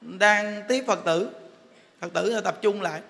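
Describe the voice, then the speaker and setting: Bright-voiced Southern Vietnamese monk joking. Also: male voice, high-pitched, slow, creaky. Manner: chatty, joking storyteller. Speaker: Buddhist monk teacher. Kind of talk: humorous dharma talk. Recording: echoey hall with faint noise.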